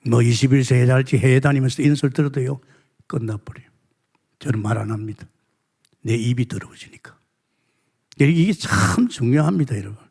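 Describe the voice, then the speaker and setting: An older man preaching a Sunday sermon as pastor, asking the congregation rhetorical questions and swinging between soft murmurs and emphatic exclamations. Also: mid-range voice, moderate pace, gravelly, long pauses, husky.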